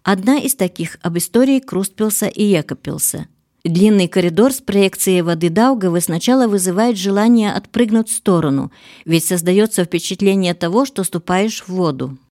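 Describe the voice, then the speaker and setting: Mellow-voiced woman radio reporter. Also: mid-range voice, moderate pace. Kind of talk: scripted narration.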